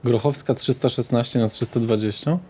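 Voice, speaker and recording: A man working as game master, narrating a tabletop horror roleplay in a dramatic, deliberate storyteller manner. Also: medium pitch, fairly even intonation, mellow, a little hiss or hum.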